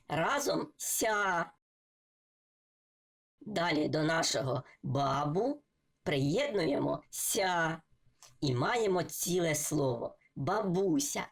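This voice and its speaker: A low-pitched woman leads a children's reading lesson. She speaks very slowly and patiently, sounding out each letter and syllable one at a time. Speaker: reading teacher.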